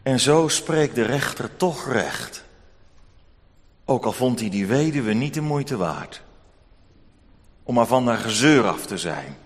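A man telling a Bible story to children in an expressive, animated way. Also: medium pitch, slow, long pauses. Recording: long hall reverb.

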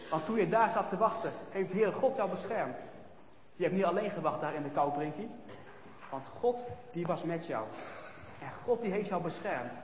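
A man voicing a loving old grandmother who speaks softly and gently in a children's story. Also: sits high, expressive, normal speed, slight background noise. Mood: tender. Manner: soft, tender and gentle. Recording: echoey hall, dull sound.

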